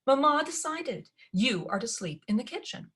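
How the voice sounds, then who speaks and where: A woman voicing a spoiled, haughty young stepsister who speaks coldly and calmly. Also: sits high, moderate pace, voice pushed up. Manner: sharp, haughty, maddeningly calm.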